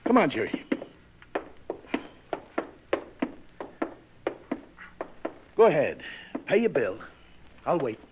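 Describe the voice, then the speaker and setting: An actor with an American accent playing a menacing crook who gives curt orders in a 1950s radio crime drama. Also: male voice, fairly high pitch, wildly swooping pitch, moderate pace. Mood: commanding. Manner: curt, commanding. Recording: dull, noisy vintage radio recording.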